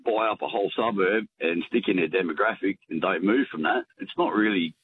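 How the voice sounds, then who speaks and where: A man's voice: sits low, brisk. A man calling in to talk radio, blunt and opinionated, with hesitant fillers. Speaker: caller. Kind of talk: casual phone-in chat. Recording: tinny phone line with faint noise.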